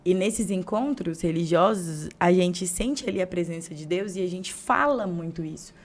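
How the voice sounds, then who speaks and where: A woman's voice: on the low side, normal speed. A young woman with a Brazilian Portuguese accent hosting a podcast, telling stories animatedly and acting out bits of dialogue. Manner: animated storyteller, acts out dialogue. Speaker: podcast host. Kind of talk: casual interview chat.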